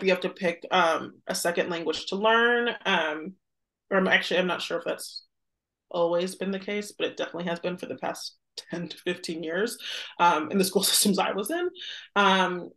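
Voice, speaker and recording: A woman's voice: lowish voice, a bit bright. A young American woman in her twenties chats as a guest on a podcast. Her delivery is conversational and reflective, with "like" sprinkled through her thoughts as she works them out. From United States. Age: 20s. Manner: reflective, frequent "like" as filler. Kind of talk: casual conversational interview.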